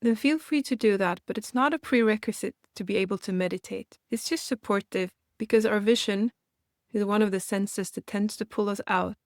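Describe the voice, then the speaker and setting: A woman leads a guided meditation with a gentle, instructional delivery. Her voice sits at an average female pitch and is recorded very dry, with little room sound. She is reassuring and leaves unhurried space between her phrases. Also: no echo.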